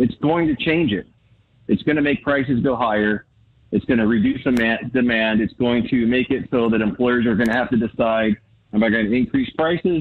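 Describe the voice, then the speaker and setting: At a moderate pace, a man uses a normal speaking voice at a medium pitch, with ordinary pitch variation and very even loudness. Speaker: caller. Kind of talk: phone call to radio show. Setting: phone call.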